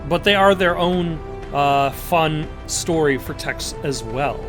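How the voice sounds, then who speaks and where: A man with a somewhat high voice commentates casually as he plays a game. He talks conversationally as the host, with music behind him. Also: slow pace. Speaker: let's play host.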